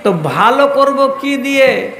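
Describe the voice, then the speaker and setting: High-pitched chanting preacher, echoey. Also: male voice, expressive, creaky, bright, forceful tone, a little hiss or hum. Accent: West Bengal Bengali. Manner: chanting, sing-song preaching with drawn-out stressed phrases. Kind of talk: sermon. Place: large religious gathering, public address.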